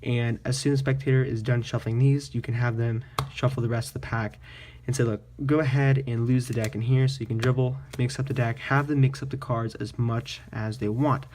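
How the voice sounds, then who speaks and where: A man's voice: mid-range voice, level tone, brisk, a little mellow, a little hiss or hum. A man presenting a card trick tutorial in casual magician patter, explaining informally step by step.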